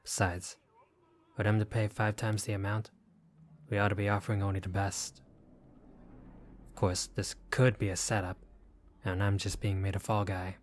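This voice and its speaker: A man's voice: on the low side, little pitch movement, moderate pace, long pauses, a little hiss or hum, lightly acted. A man playing a wary, streetwise young gangster for hire in a roleplay audio drama, guarded and sardonic, with casual street talk. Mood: suspicious, exasperated.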